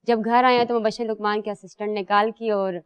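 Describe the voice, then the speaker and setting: Giggly young woman with very smooth voice. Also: medium pitch, little pitch movement. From Pakistan. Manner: giggly, casual and defiant. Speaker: contestant. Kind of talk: audition interview answers.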